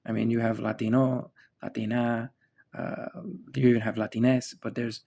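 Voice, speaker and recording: A podcast host from the United States chats casually, rambling with plenty of fillers and restarts. His mid-range voice is gravelly and warm, with a level tone and normal speed.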